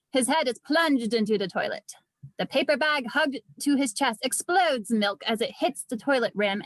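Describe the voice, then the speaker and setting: A woman's voice: a little high, a bit bright, dry recording. A woman narrating scripted stage directions at a table read. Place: indoors, remote online read.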